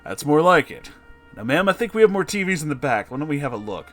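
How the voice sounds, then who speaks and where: A man's voice: fairly high pitch, very animated, quick pace, a bit bright, faint music behind. Man as a cocky, mock-sweet unicorn store worker. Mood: polite. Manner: taunting, sickly-sweet customer service politeness.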